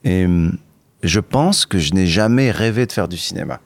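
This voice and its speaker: A middle-aged man as a podcast guest, telling stories in a lively, halting way with bursts of excitement. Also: sits low, gravelly, no room sound. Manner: animated storytelling, halting restarts, bursts of excitement. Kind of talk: candid interview talk.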